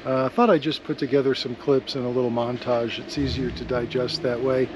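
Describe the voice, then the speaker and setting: A middle-aged man vlogging a casual walking tour, talking in a relaxed, chatty way with many ums, filmed on a camera held at arm's length in a sunny harbor area. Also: mid-range voice, fairly quick, dull audio. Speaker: travel vlogger. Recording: loud outdoor street noise.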